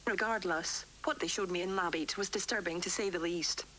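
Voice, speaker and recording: A woman playing a worried, defiant doctor dictating formal, measured research logs for an analog horror tape series, recorded on vintage cassette. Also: lowish voice, bright, forceful tone, slight background noise, poor audio. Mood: grave, disturbed. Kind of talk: analog horror tape log, scripted report.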